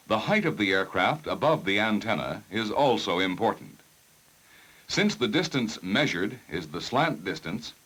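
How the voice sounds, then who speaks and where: Male narrator for vintage 1960s technical training film; lowish pitch, lively inflection, measured formal delivery, careful enunciation. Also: low-quality recording.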